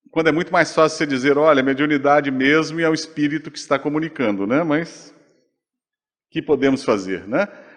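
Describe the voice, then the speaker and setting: A man with an ordinary speaking voice, fairly high-pitched, at a fairly quick pace with ordinary pitch variation. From Brazil, Goiás. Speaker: physician lecturer. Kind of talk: conference lecture.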